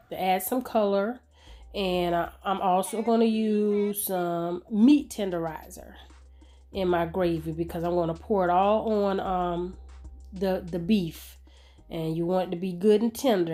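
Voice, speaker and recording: A middle-aged woman hosting a home cooking video, chatting in a relaxed, homey way and talking to her viewers as y'all while she cooks. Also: medium pitch. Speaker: home cook and channel host. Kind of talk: casual cooking tutorial narration.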